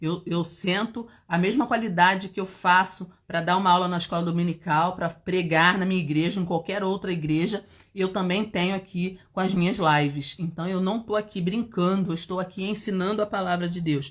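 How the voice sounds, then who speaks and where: Moderate pace in a Brazilian accent, fairly even intonation, and hardly any pauses. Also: woman, medium pitch for a woman. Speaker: Bible teacher. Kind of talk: livestream Bible teaching.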